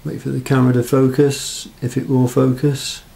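A knife maker presents his creations in a small block-walled workshop, keeping it casual, unscripted, hesitant and understated. He speaks at normal speed in a mellow, level, medium-pitched voice. The camera audio includes clear background noise.

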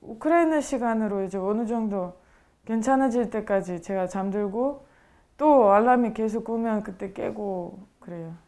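A woman in her twenties from Ukraine, speaking Korean as an in an interview, halting and searching for words. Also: mid-range voice, darkish tone. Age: 20s.

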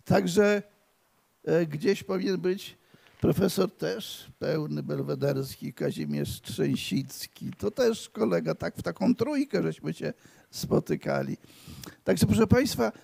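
A man's voice: high voice, sing-song, takes it slowly, creaky, a little mellow, breathy edge. An older man giving a rambling, anecdotal speech to an audience at an evening in his honour, with many restarts and stammers. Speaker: guest of honour speaking at his tribute evening. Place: library event hall.

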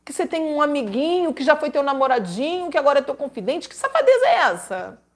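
Very animated and fast, a high-voiced woman reads letters aloud on her live stream and gives relationship advice. Her tone is emphatic and scolding, packed with dramatic repetitions and religious exclamations.

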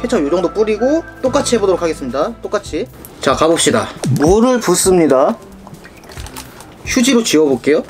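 Animated young man reviewing products, music behind. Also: sits high, fairly quick. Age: young adult. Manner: animated, conversational, thinking aloud while working. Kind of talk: casual hands-on product testing commentary. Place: small room indoors, seated at a table.

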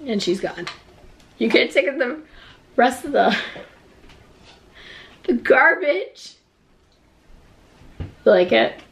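A woman's voice: a little high, expressive, slow, vocal fry, long pauses. A woman in her thirties chats casually to a close camera in her home kitchen. She sounds a little stuffed up, with a slight cough, and keeps dropping "like" between her words as she rambles. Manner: chatty, lots of "like" fillers. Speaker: vlogger. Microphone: camera at close range.

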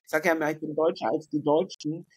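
A middle-aged woman from northern Germany speaks as an interview guest, thinking aloud in a loose, reflective way. She often pauses, adds fillers and restarts her sentences. She is heard over a video call from a room indoors. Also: low voice, level tone, husky, rough recording. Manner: reflective, frequent fillers and self-corrections. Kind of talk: casual conversational interview.

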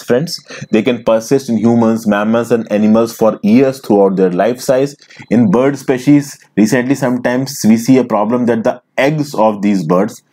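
A man's voice: medium pitch, dark tone. A man with an Indian English accent teaching a recorded lesson, explaining step by step and often calling his listeners friends. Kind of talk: recorded screen lecture.

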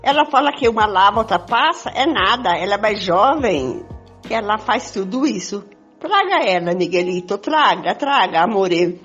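An older woman playing a pleading, jealous, melodramatic wife in an amateur radio soap opera, with a husky voice. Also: mid-range voice, animated, moderate pace, fairly bright tone, close to an everyday voice. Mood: resigned. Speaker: amateur participant in a radio play. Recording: dull lo-fi audio with music.

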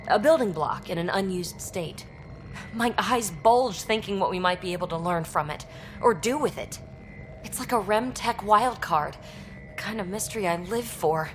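A woman voicing an eager, impulsive young alien explorer in a video game, chatty and excitable. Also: medium pitch, natural voice. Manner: chatty, excitable, self-justifying. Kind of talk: video game cutscene acting.

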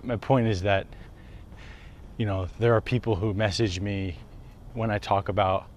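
Filming himself on a handheld camera held at arm's length, this male wellness vlogger walks a residential street, talking casually, cursing freely and laughing at himself. He speaks unhurriedly in a fairly low, steady voice, with a little hiss or hum in the audio.

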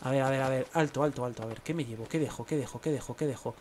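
A young man with a Spain Spanish accent, commentating his own gameplay live, excitable and talking to himself with sudden exclamations. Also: medium pitch, rapid-fire, a little hiss or hum. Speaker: gaming streamer.

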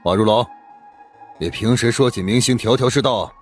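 An actor playing a blunt, commanding middle-aged police captain in an audiobook drama. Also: male voice, medium pitch, normal speed, lightly acted. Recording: music under the voice.

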